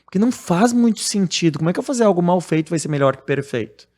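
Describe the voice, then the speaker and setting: Brazilian guy on a podcast, pretty high voice, blunt and straight to the point. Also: fast. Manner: blunt and direct, animated when explaining. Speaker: podcast guest. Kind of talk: casual conversation.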